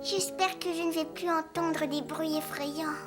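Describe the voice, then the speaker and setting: Small cartoon boy, very high voice, slow and childlike, curious but timid, music underneath. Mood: relieved, uneasy. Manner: childlike, earnest, expressive. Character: curious, fearful four-year-old boy in a cartoon. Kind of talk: animated children's cartoon voice acting.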